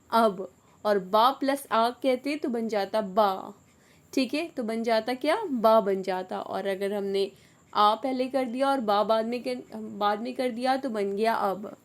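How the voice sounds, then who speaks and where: Patient woman syllables. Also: a little high. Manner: slow, drawn-out syllables for repetition; frequent "theek hai" checks with the learner. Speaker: Urdu teacher. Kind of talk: online beginner lesson.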